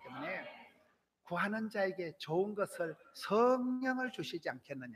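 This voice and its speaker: The man's pitch swings very widely. His tone is animated. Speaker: guest pastor. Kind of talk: sermon. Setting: church revival meeting.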